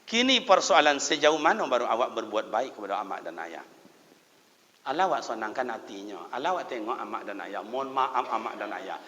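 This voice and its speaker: A man with a Minangkabau Malay accent preaching a sermon, telling folksy stories and moving between loud exhortation and hushed tones. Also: mid-range voice, lively intonation, a little fast. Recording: dull sound, long hall reverb.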